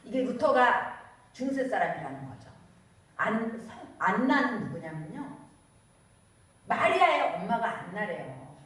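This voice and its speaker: A woman pastor preaching a sermon, telling the story in an animated, storytelling way. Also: medium pitch, measured pace, pauses often. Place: church. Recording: echoey church hall from far off.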